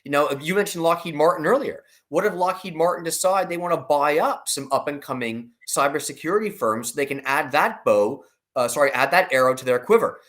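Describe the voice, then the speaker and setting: A man's voice: fairly high pitch, a little fast, fairly bright tone. A man giving conversational financial commentary as an interview guest, explaining emphatically and often rephrasing himself as he goes. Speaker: investment analyst guest.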